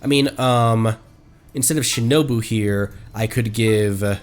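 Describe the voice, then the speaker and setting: A man's voice: on the low side, a little slow, soft background music. A man livestreaming a video game, chatting casually and thinking aloud in a rambling way as he plays. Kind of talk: casual gameplay stream commentary.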